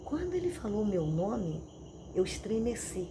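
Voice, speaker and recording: A woman's voice: medium pitch, unhurried, noisy background. Casting: woman pastor, mid-range voice, vivid repetitive storytelling, insects audible behind. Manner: animated storytelling with dramatic repetitions. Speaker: missionary and pastor. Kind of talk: testimony preaching. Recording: crickets and insects chirping behind.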